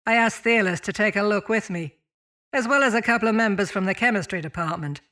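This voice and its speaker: An actress playing a brisk female mining chief and officer on a spaceship, giving formal log reports in a sci-fi audio drama. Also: mid-range voice, a bit bright, lightly acted. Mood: businesslike. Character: brisk woman mining chief turned acting captain of spaceship. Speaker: voice actor.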